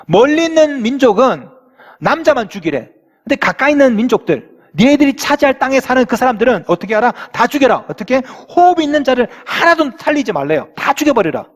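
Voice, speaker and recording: A man's voice: sits high, slightly rough. A male pastor preaching a sermon in a church, reading scripture aloud and putting questions to the congregation. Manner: asks the congregation rhetorical questions. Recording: long hall reverb in a church.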